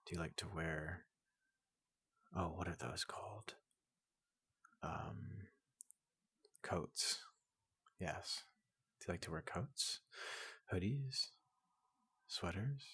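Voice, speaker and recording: A man voicing a tall, gentle robot doctor in soft ASMR roleplay, hesitant and politely clinical, often slipping into a whisper, close to the microphone. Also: sits low, expressive, slow pace, pauses often, no echo, heavily acted. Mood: gently curious. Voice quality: breathy, gravelly, often dropping into whisper.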